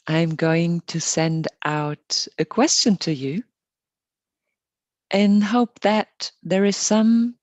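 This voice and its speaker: Soft-spoken lady with a lowish voice welcoming folks to an online meditation, calm and easy, muffled call audio. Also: no echo. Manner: gentle, unhurried, reassuring. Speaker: meditation host. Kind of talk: welcoming guided meditation session.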